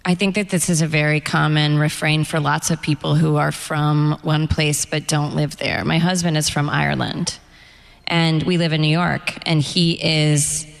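A middle-aged American woman, an author and guest, talking in a reflective, candid and measured way at a live event interview in a hall. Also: deep voice, little pitch movement, creaky. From United States.

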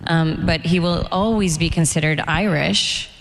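A woman's voice: sits low, measured pace. A middle-aged woman novelist speaking candidly on stage about her life and work, with wry humor. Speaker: novelist being interviewed. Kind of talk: onstage author conversation. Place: event stage before an audience. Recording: echoey hall, long reverb.

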